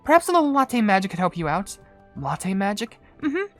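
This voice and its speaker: A woman's voice: medium pitch, very animated, moderate pace, faint music behind, natural voice. A woman voicing a friendly, bubbly young female wizard in cartoon game dialogue. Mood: cheerful, friendly.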